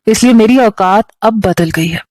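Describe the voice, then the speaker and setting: A woman's voice: medium pitch, darkish tone, dry recording, clean studio sound, natural voice. A woman with a Pakistani Urdu accent voicing a bitter, defiant young man who speaks in a cold, taunting way.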